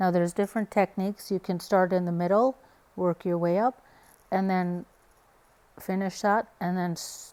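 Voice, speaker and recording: A woman's dark, mellow voice in a monotone, flat intonation, with a dry, close sound and no echo. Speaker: beadwork instructor. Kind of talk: tutorial. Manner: mumbling at times, needle between lips.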